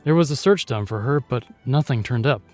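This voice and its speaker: Man playing an expressive, gallant knight. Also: medium pitch, fairly quick, faint music behind, natural voice. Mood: reassuring. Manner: earnest, courtly, commanding. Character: gallant, protective male knight commander in fantasy. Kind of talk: fantasy audio drama acting.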